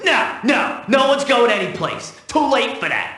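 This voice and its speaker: An actor playing a sadistic game mobster with a gleeful, menacing, excitable delivery. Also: male voice, very high voice, unhurried, exaggerated voice. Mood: agitated, vengeful.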